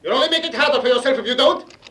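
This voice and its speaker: A man's voice: very high voice, rapid-fire. An actor playing a stern male police officer who barks commands through a locked door in an old-time radio drama. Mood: demanding. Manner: barking commands. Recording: echoey, distant, noisy old radio recording.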